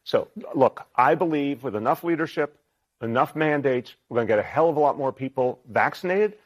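A man giving a public speech, emphatic and earnest as he tries to win his listeners over. His voice sits at an ordinary mid pitch, and he stresses his points firmly. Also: animated, brisk, dull audio. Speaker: politician.

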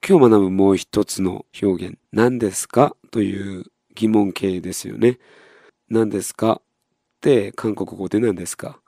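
A man teaching a language lesson, explaining patiently and slowly repeating each example word. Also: lowish voice, steady tone, creaky, warm tone, dry recording, studio quality.

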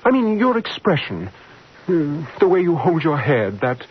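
A man's voice: on the high side, sing-song, unhurried, husky, full character voice. An actor playing a flustered, besotted married man in an old radio drama, stammering and hesitant. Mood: earnest, smitten. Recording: muffled vintage radio recording.

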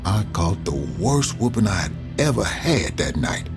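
Brief: older man narrating, very low voice with lively pitch, soft music under. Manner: slow, plainspoken, folksy. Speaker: narrator recalling his youth. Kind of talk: storytelling in an interview.

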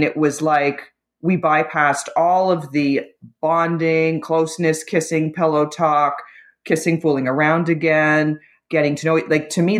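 A woman caller giving a candid, conversational personal account to an advice show host. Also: deep voice.

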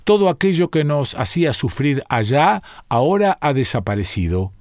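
A man voicing a dignified white-haired old gentleman in a read-aloud story, speaking solemnly and a little reproachfully. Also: fairly high pitch, very animated, normal speed, no echo, studio quality. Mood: earnest.

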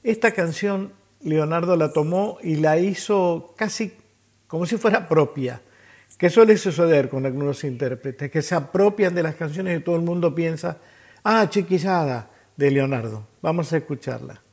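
Male presenter, fairly high voice, reflective music introduction, measured emphatic phrasing. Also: a little mellow. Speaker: host presenting songs in tribute.

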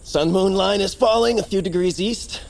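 A man's voice: high-pitched, normal speed, vocal fry. A man acting a devoted, earnest young tribal hero in an audio drama, speaking expressively. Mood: earnest, brooding. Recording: music behind the voice.

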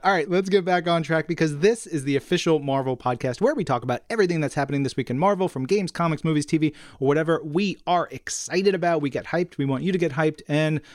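A man's voice: fairly high pitch, fast, hardly any pauses, a little mellow, no echo, clean studio sound. A man co-hosting an entertainment podcast, chatting in an upbeat, playful way with emphatic hype. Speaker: podcast co-host. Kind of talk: upbeat co-hosted podcast chat about comics and entertainment.

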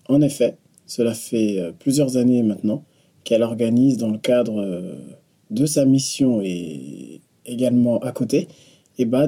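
With a mellow, mid-range voice edged with breathiness, this man hosts a podcast interview. He starts by reading a scripted intro before settling into relaxed conversation with his guest.

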